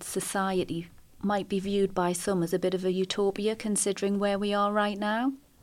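On a very clean recording with a silent background, a woman speaks in an unremarkable speaking voice at a medium pitch and moderate pace. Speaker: podcast host. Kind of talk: interview, structured discussion.

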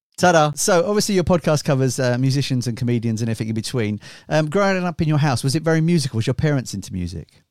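In an English accent and with lively intonation, the speaker races along at a very fast pace with hardly any pauses in a very clean recording with a silent background. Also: man, fairly high pitch for a man. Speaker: podcast host. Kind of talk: casual interview.

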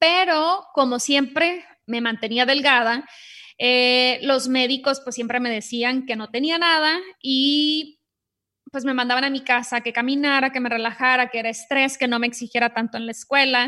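In a quiet background, a woman projects a raised, high-pitched voice with a bright, sharp tone, fairly even intonation and a moderate pace. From Mexico, Sonora. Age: 40s. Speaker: health coach. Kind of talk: podcast interview.

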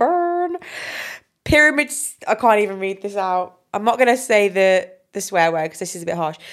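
A woman at a moderate pace, her loudness swinging widely and her pitch swinging very wide, on a very clean recording with a silent background. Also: medium pitch for a woman. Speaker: podcast co-host. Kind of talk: casual chat.

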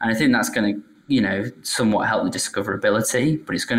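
Here a man speaks with a northern English accent. His pace is fairly quick. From Blackpool, northern England. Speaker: SEO and voice agency founder. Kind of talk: casual interview chat.

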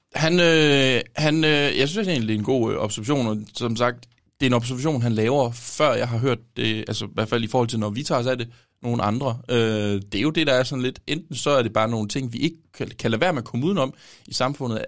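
A man talks in a plain, everyday voice at medium pitch, with ordinary pitch variation and a fairly quick pace. The recording is very clean, with a silent background. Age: 20s. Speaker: comedy podcast host. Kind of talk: casual chat.

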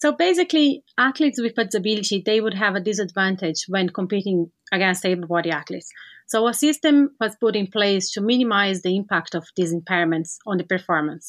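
Fairly quick and with hardly any pauses, a woman with a Brazilian accent speaks at a medium pitch with lively intonation. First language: Portuguese. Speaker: physiotherapist and para sport classification manager. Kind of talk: interview.

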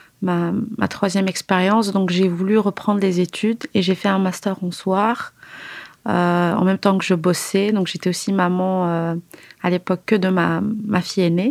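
At a fairly slow pace, a woman speaks in a medium-pitched voice with monotone, flat intonation and very even loudness, in a very clean, dry, close recording with a silent background and no echo. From Morocco, Casablanca. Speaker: writer and slam poet. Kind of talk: interview, casual. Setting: studio.

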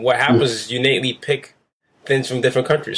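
This man has a slight Nigerian accent and a medium pitch. His voice is somewhat breathy. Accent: international English with a hint of Nigerian. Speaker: podcast host. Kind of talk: casual interview.

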